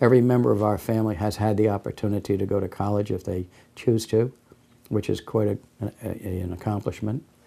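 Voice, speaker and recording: Using fairly even intonation, a man with an American accent speaks in a dark, mellow tone at a fairly low pitch. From Massachusetts, US. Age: 60s. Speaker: businessman. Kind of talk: interview. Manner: halting.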